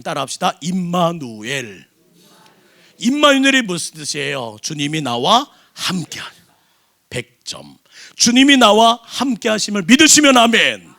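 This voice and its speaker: A senior pastor preaching a sermon in a church service, throwing call-and-response questions at the congregation. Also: male voice, high voice, gravelly, pushed and bright.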